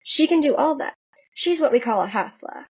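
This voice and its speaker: A woman voicing a gentle, curious and earnest otherworldly being in a story reading. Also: high voice, lively intonation, moderate pace, lo-fi sound, voice pushed up. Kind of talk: author reading own story aloud.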